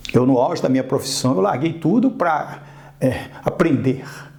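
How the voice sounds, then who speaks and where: A man with a medium-pitched voice speaks at a fairly quick pace over noticeable background noise. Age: 60s. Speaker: interview host. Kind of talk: interview conversation. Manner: rambling with frequent tag questions.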